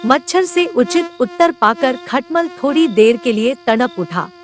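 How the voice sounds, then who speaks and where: A woman narrating a children's moral story in an expressive storytelling voice. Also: high-pitched, a little slow.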